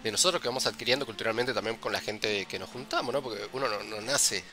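A man's voice: on the low side, fast, sharp tone. A man with an Argentine Rioplatense accent co-hosting a podcast in casual, joking chat, constantly tossing in "viste". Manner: loose, joking, peppers talk with "viste". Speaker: podcast co-host.

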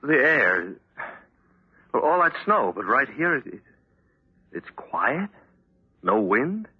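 An actor playing a young American writer with an American accent, husky and hesitant, in an old-time radio drama. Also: male voice, mid-range voice, big pitch swings, slow, heavily acted. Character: American writer husband, uneasy and wry. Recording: muffled old radio broadcast.

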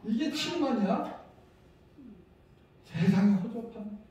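A man's voice: extremely high pitch, lively intonation, slow pace, warm tone. A middle-aged man teaching a hands-on workshop as an instructor, informally guiding people step by step. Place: wood-panelled seminar hall, indoors. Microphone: handheld microphone heard over room speakers, recorded from far off. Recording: echoey room, distant muffled mic, background noise.

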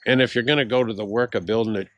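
A man's voice: medium pitch, steady tone, rapid-fire, lo-fi sound. An older man hosting a farm vlog, chatting in an easygoing way outside a barn, recorded on an action camera. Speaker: vlog host. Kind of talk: casual chat. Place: outdoors at a barn in the countryside. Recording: outdoor camera audio with background noise.

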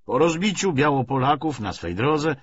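A man narrates a novel in a husky voice of middling pitch. His reading is expressive, with animated rises and falls in intonation. The recording sounds a little dull and lo-fi. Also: normal speed, dry recording. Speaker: audiobook narrator. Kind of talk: scripted literary narration of a novel. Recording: slightly dull, lo-fi audiobook recording.

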